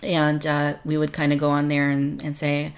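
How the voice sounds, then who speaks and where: A woman's voice: sits low, completely flat delivery, normal speed. A woman from Texas hosting a podcast in a conversational discussion style. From Texas, United States. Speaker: podcast host.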